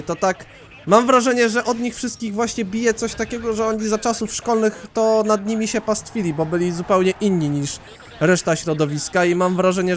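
A man from Poland hosting a let's play, rambling excitably and swearing casually as he plays. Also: high-pitched.

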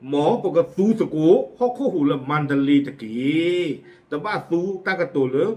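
Male news presenter, casual and chatty, slightly higher voice, lots of fillers. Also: expressive, moderate pace, darkish tone. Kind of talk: casual spoken news commentary.

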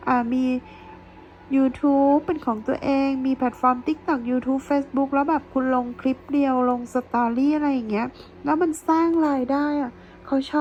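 A woman's voice: high voice, a little mellow, dull audio, slight background noise. A woman giving a chatty tarot reading to her viewers, playful and gushing, full of teasing praise. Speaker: tarot reader.

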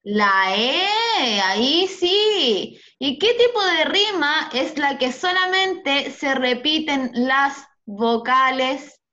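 A high-voiced woman teaches over a video call, speaking slowly and patiently as she quizzes her students. Her tone is bright and clear, and the call audio is muffled. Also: lively intonation. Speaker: schoolteacher. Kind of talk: online class teaching.

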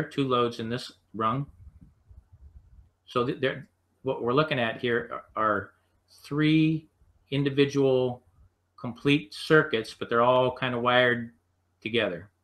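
A man with an American accent lecturing unscripted as a technical instructor, explaining step by step in halting phrases. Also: mid-range voice, fairly even intonation, a bit bright. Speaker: HVAC instructor.

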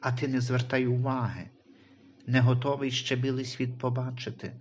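A man voicing a tender, reassuring guardian angel in a Christian audio story, speaking calmly and comfortingly. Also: medium pitch, moderate pace, highs cut off, slight background noise, close to an everyday voice. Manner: calm, comforting.

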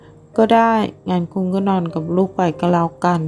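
A woman voicing a stern young mother in an audio novel, speaking in a sharp, scolding way. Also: on the low side, fairly even intonation, normal speed, soft background music, lightly acted. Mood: exasperated.

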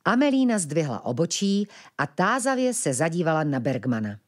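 A woman reads a children's fairy tale aloud in a fairly low voice. Her pitch moves with lively expression. The telling stays calm and soft. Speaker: narrator. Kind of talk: storybook narration.

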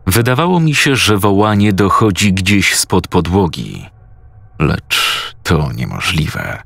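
A man narrating a scripted horror story in a tense, measured voice, close to a studio mic. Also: sits low, very animated, gravelly, fairly bright tone, no echo.

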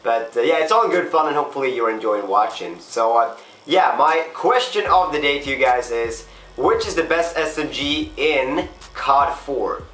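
A young man from Sweden, vlogging casually to camera in a small bedroom, his voice deep and rough after a night of drinking, rambling with many fillers. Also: lively intonation, moderate pace, a bit bright, roomy sound. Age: young adult. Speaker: gaming vlogger. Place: small bedroom desk setup, indoors.

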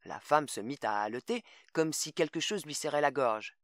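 A man narrating a short story as an audiobook in a measured, steady reading. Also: fairly high pitch, dry recording, clean studio sound.

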